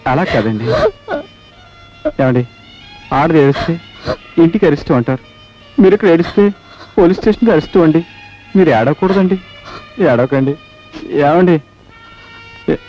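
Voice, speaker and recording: An actor playing a meek, kind-hearted village constable who talks in a deferential, pleading way. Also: male voice, on the high side, lively intonation, moderate pace, long pauses. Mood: soothing. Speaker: police constable. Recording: dull old film soundtrack with music.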